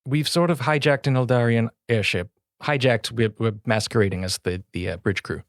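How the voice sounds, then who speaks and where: A man at the table in a tabletop role-playing game, speaking in a mid-pitched, plain voice with small hesitations and restarts. His voice sounds dry and close to the mic. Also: normal speed, no echo. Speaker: player.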